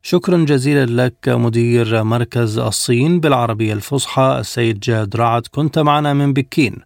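A male broadcast host puts questions in formal Standard Arabic. He talks at a fast clip with a gravelly edge, and the sound is dry and close. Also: mid-range voice, dry recording. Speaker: radio interview host.

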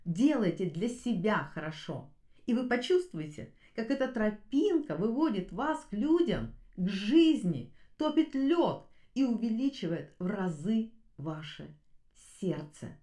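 A woman's voice: mid-range voice, very animated, unhurried, mellow, echoey room. A woman giving motivational commentary as a podcast host, speaking earnestly and emphatically and addressing her listeners directly.

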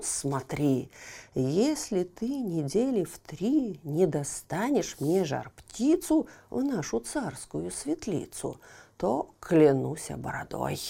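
A woman voicing an angry, bearded old tsar in a storybook tale, speaking loud, gruff and slow. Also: on the low side, heavily acted.

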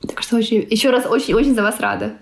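Female podcast guest; rapid, bubbly, conversational delivery. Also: fairly high pitch, fairly even intonation, gravelly. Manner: quick, chatty, enthusiastic, self-correcting.

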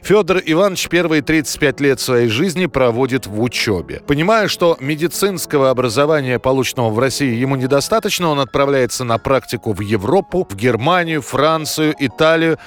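A man's voice: medium pitch, animated, fairly quick, few pauses. A man presenting a history programme, reading scripted documentary narration. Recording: music under the voice. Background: background music.

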